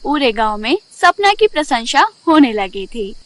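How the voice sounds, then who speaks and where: A woman's voice: high voice, sing-song, unhurried, fairly bright tone, no room sound. A woman narrating a scripted children's fairy tale as the storyteller.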